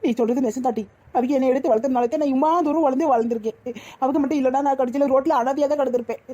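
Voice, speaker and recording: A woman voicing an earnest young pregnant wife in a cartoon, calmly reassuring others in a Tirunelveli Tamil accent. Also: sits high, very fast, muffled recording. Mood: grateful. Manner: reassuring, reasoning. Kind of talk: cartoon voice acting.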